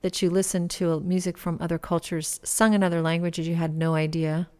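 Low, mellow-voiced woman radio host. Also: level tone, brisk, clear, resonant tone. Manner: chatty, with frequent fillers. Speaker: radio show host and musician. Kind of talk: casual radio interview. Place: barn.

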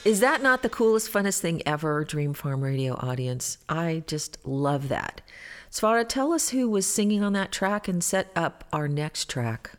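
A woman's voice: lowish voice, expressive, a little slow, in a large hall. A woman hosting a radio show, chatting with a guest in a gushing, enthusiastic way. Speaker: radio host. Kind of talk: upbeat radio interview chat.

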